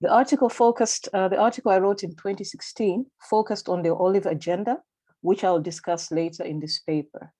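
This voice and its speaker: A woman with a Malawian accent reading a prepared academic paper at a conference in a measured, formal and deliberate way over a video call. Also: medium pitch, fairly even intonation, dark tone. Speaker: conference speaker.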